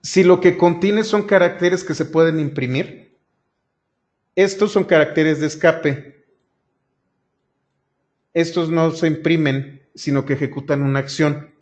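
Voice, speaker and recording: In a screen-recorded coding lesson, a male programming instructor walks his students through the material step by step, addressing them directly. His voice is slightly high and somewhat dark, with fairly even intonation, a measured pace and frequent pauses. The audio has a dull, lo-fi quality.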